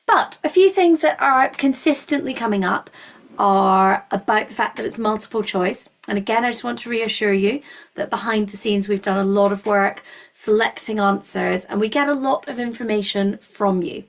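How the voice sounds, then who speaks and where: A woman's voice: mid-range voice, moderate pace, vocal fry. A woman with a Scottish accent hosting a university webinar, explaining things informally in a reassuring, encouraging way. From Scotland.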